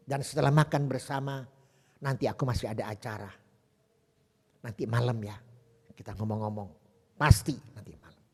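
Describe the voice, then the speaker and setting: A preacher voicing a soft, busy, apologetic father. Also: mid-range voice, steady tone, normal speed, pauses often, slightly rough, long reverb tail. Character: busy, apologetic father talking to his daughter.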